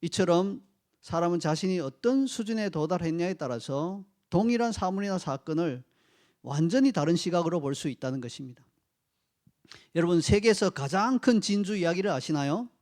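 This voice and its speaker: Man, pastor, sermon, high-pitched, animated storytelling, talks directly to congregation. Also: normal speed. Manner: conversational, addresses congregation directly.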